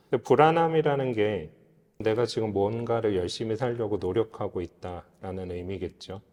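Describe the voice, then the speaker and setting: This man, a guest expert in an interview, lays out philosophical ideas in an earnest, reflective, lecture-like way. His voice is on the low side with a darkish tone, and the room echoes like a hall.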